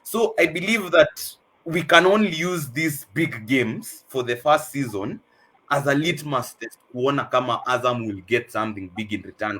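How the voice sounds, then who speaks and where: A man's voice: medium pitch, fairly bright tone. A man with a Kenyan accent giving casual football analysis, hesitant and repeating words as he switches between two languages. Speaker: football pundit. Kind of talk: casual unscripted analysis, mixing English and Swahili.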